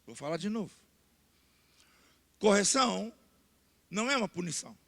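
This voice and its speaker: A man with a Brazilian Portuguese accent preaching a sermon in church, repeating key points and building to loud emphatic declarations. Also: high voice, big pitch swings, normal speed, gravelly. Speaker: pastor. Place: church sanctuary. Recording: long church hall reverb.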